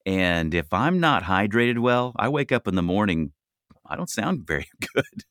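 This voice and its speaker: Deep gritty voiced dude, real low, earnest and repeats himself, dry sound. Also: male voice, big pitch swings, moderate pace, a bit bright, no room sound. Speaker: podcast co-host. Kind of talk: casual chat.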